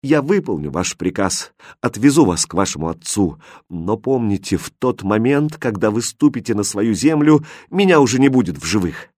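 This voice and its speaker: Brief: male narrator doing an impassioned fairy-tale king, animated pitch, dry studio sound. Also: normal speed, hardly any pauses, no echo. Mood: ardent. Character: passionate young king, ardent and dramatic. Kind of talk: audiobook character voicing.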